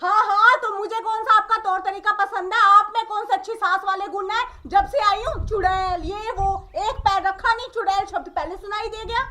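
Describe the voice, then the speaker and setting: A cheeky new bride in a cartoon trades barbs with her mother-in-law in a very high, bright voice, voiced by a woman. She is combative and quick to talk back. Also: fairly even intonation. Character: sharp-tongued new bride.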